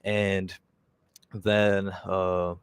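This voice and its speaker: A man's voice: sits low, little pitch movement, extremely slow, clear, resonant tone, no echo. A young man of about twenty, hosting a casual live stream and rambling with many fillers and self-corrections. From Czech Republic. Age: around 20.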